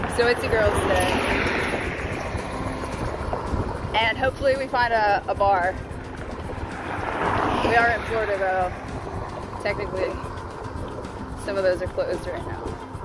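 A woman speaks at a fairly slow pace with long, frequent pauses. Music plays in the background, and the sound is dry with no echo. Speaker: vlogger. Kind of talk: casual vlog chat. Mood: relaxed, cheerful. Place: street. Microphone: phone near.

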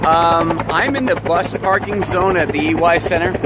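Loud background noise fills this dry recording, which has no echo. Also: man. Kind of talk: casual vlog chat. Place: street. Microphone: phone near.

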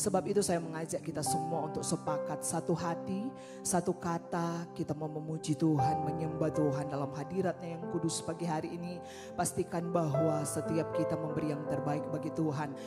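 A woman talks at a fairly quick pace with hardly any pauses over loud music in the background. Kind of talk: prayer leading, worship exhortation. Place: church. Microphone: handheld.

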